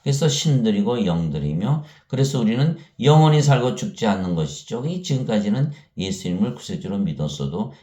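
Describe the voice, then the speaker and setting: Male preacher, sermon delivery with rhetorical question-and-answer, animated pitch, reverberant room. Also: fairly quick, few pauses. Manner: asks the listeners questions and answers them himself; quotes scripture in an elevated tone. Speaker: pastor.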